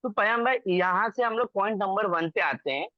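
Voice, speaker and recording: A man's voice: high-pitched, normal speed, no room sound. A young man hosting a casual interview, giving emphatic advice and slipping into English phrases. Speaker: host interviewing an exam topper. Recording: dull lo-fi dry sound.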